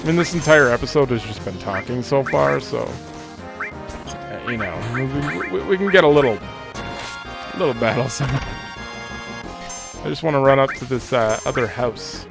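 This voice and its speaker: A man's voice: medium pitch, expressive, normal speed, vocal fry, long pauses. A man in his thirties giving casual, offhand commentary as he plays a video game, rambling as he goes. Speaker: let's play host. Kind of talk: casual game commentary, reading dialogue aloud. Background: video game music.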